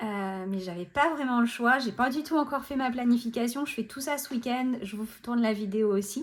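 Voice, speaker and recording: A woman speaks at a high pitch with ordinary pitch variation and hardly any pauses. The recording is very clean, with a silent background. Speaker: budget vlogger. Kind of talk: casual vlog talk. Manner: fast; hesitant, many fillers.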